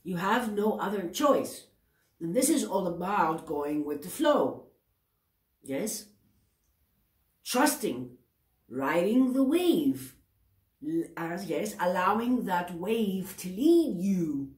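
Sitting at a table indoors, a woman in her forties with a Greek accent gives a chatty, self-correcting tarot reading to camera, repeatedly checking in with the viewer. Her lowish, darkish voice is expressive yet slow, with long pauses. The sound is roomy.

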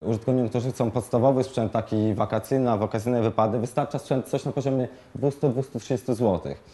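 Mellow-voiced young man explaining, haltingly. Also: mid-range voice, fairly even intonation, breathy edge. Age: 20s. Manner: halting, hesitant delivery with frequent fillers and repeated words. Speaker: CB radio shop expert. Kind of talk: explanatory product tutorial, unscripted. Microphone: lapel mic.

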